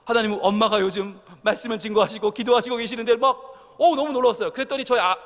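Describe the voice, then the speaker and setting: Middle-aged male pastor, animated storyteller, high bright voice, long hall reverb. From South Korea. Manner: animated storytelling, acting out family quotes. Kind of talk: sermon. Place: church sanctuary.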